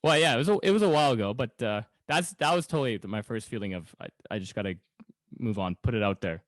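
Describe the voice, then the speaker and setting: A man hosting a podcast in casual chat, with halting, rambling phrasing. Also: mid-range voice, expressive, no room sound. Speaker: podcast host.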